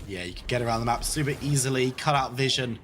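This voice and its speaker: A man calling play-by-play for a competitive video game match, talking in a steady, flowing way with some playful banter. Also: medium pitch, fast. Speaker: esports play-by-play caster.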